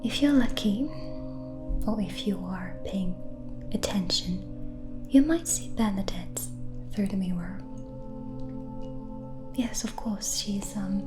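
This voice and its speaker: A woman playing a gentle, chatty white witch from the forest in a soft, breathy, unhurried ASMR whisper. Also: mid-range voice, lightly acted. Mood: welcoming, confiding.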